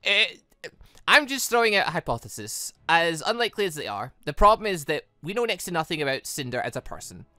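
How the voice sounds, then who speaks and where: A gaming host with a bright, punchy voice that jumps around in pitch. The sound is dry and close. They read visual novel lines aloud and slip into their own casual commentary. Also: a little fast, no echo. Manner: animated, breaks off into asides and stumbles while reading.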